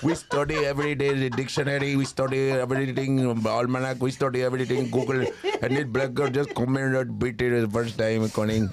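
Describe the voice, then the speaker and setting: A man's voice: mid-range voice, flat delivery, a little fast, hardly any pauses, over a noisy crowd, close to an everyday voice. A male comedian putting on an indignant, complaining Indian student with an exaggerated Indian accent for a stand-up bit. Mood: indignant, comic. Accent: put-on Indian.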